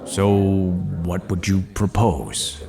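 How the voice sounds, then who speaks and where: An actor playing a gruff small-town cafe owner in an audio drama, blunt and commanding. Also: male voice, deep voice, lively intonation, takes it slowly, crowd noise, heavily acted. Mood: businesslike. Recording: music behind the voice.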